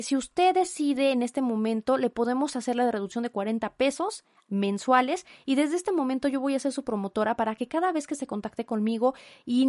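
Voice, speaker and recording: A woman's voice: a little high, darkish tone, dry recording, studio quality, lightly acted. A woman mimicking a pushy Mexican call-center agent. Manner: scripted sales patter, evasive.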